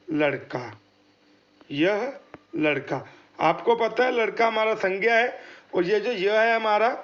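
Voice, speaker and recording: This exam prep teacher has a high, fairly bright voice on dull audio. Going step by step, he asks questions and answers them himself, sounds out letters, and speaks to listeners as friends.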